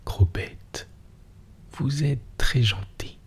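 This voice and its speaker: A man voicing a lively, teasing young woman in a breathy near-whisper, as whispered role-play. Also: fairly low pitch, unhurried, exaggerated voice. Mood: coy.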